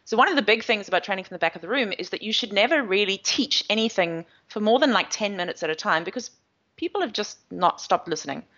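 A woman's voice: medium pitch, lively intonation, quick pace, fairly bright tone. A woman with a South African accent, an agile coach giving long, chatty interview answers with plenty of fillers. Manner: chatty, explanatory, many fillers. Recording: slightly dull audio.

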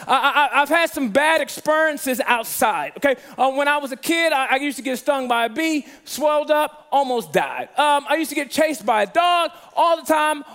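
A man giving a sermon as a guest speaker, telling comic stories in an animated, exaggerated way. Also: extremely high pitch, normal speed, few pauses. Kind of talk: humorous storytelling sermon.

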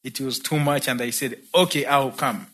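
A man's voice: medium pitch, moderate pace. A man from Uganda with a Ugandan accent, telling his own conversion story in a sermon with easy laughter. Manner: warm storytelling, laughs between points. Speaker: preacher. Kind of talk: sermon testimony. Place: church.

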